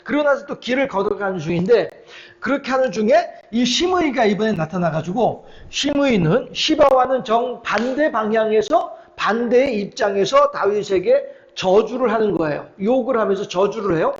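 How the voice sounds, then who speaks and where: A man's voice: high-pitched, expressive, normal speed, muffled recording. A man preaching a midweek sermon, retelling Bible scenes and acting out their dialogue with many fillers. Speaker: pastor.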